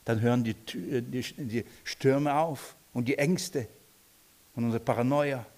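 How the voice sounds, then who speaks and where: A man preaching a sermon, swinging between emphatic declarations and hushed, quiet lines, often asking his listeners direct questions. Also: mid-range voice, unhurried. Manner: dynamic, swings from loud emphasis to hushed near-whispers; addresses congregation directly with questions.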